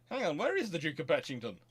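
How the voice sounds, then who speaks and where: Man talking off the cuff, halting and conversational. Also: fairly high pitch, slightly rough. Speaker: host of a naval history stream. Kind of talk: casual live question-and-answer talk.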